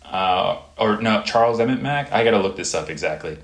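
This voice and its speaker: A man co-hosting a casual podcast, telling stories in a relaxed, rambling way. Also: fairly low pitch, a little fast, reverberant. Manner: relaxed, rambling storytelling with fillers. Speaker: podcast co-host. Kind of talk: casual chat.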